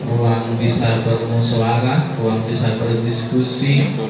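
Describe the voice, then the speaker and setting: A man's voice: medium pitch, completely flat delivery, slow pace. Echoey man addressing a hall. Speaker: school leader giving an opening address. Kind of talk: formal welcome speech to teachers. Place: large reverberant indoor hall with an audience. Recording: very echoey hall, distant muffled mic, audience noise.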